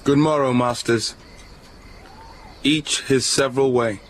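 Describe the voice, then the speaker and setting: A man's voice: mid-range voice, fairly even intonation, slow, noisy background, close to an everyday voice. A man playing an earnest young lord and groom in a classic stage comedy, speaking solemnly.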